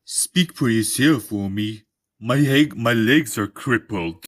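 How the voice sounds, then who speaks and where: A man's voice: mid-range voice, slow, fairly bright tone. A man voicing a cocky, griping teenage boy fighter in a fan parody cartoon dub.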